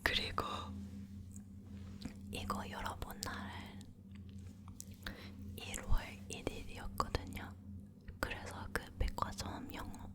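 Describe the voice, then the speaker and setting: Female ASMR host, leaning in to whisper, slow and hushed, close-miked personal storytelling. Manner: slow, gently repeating words.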